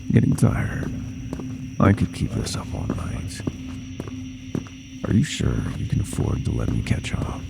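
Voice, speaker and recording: A man voicing a sadistic, playful monster hunting humans in a horror ASMR roleplay, taunting and savoring in a gravelly, breathy, often whispered voice. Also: rumbling low, heavily acted, rough recording. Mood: taunting, gleeful. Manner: slow, taunting, menacing, savoring.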